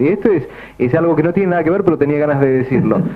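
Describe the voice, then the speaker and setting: Ordinary pitch variation from a man, with noticeable background noise behind him. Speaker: radio host. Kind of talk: radio interview. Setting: radio studio.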